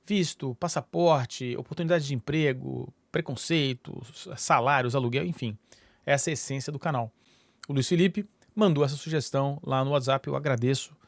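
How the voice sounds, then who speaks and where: A middle-aged man from Brazil talks loosely to his viewers, hopping between restarts and fillers. His voice sits at an ordinary middle pitch. The recording is dry and close, with no room sound. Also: normal speed, vocal fry, no echo. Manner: rambling, many fillers and restarts. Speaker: YouTube channel host. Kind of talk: casual solo talk to camera.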